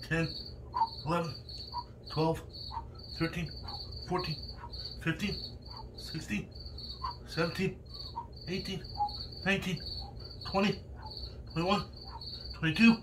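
A middle-aged man counting in a strained, breathless voice while doing push-ups. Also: on the high side. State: physically exerting, out of breath. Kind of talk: casual chat to camera. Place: small indoor hobby room. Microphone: camera a few meters away. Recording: distant mic, clearly noisy room.

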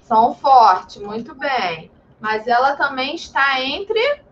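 A primary school teacher with a high, animated voice teaches an online class to young children over lo-fi video-call audio, with crowd noise behind her. She is patient, slow and encouraging, and refers to herself as "tia".

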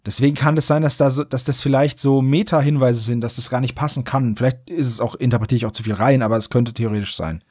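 A podcast host recaps an audio drama in casual, colloquial chat, tossing in mock-indignant asides. His mid-range, slightly mellow, husky voice keeps fairly even intonation at a quick pace with few pauses, recorded clean in a studio with no room sound.

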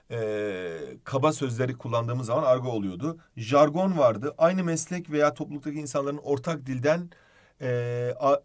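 A man teaching a literature lesson online, explaining step by step and addressing students as friends while writing on the board. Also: medium pitch.

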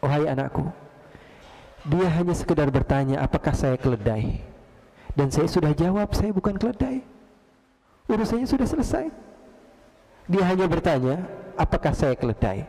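A man voicing a patient ruler calmly explaining that the matter is settled. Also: a little high, moderate pace, pauses often, big-room sound, rough recording. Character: calm, patient old caliph answering mildly.

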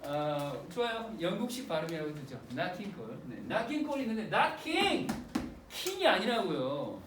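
A man teaching an exam-prep literature lecture in a lively, joking way, acting out lines as he explains. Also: high voice, moderate pace, echoey room, distant mic, background noise. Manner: lively and playful, jokes and acts out quotes.

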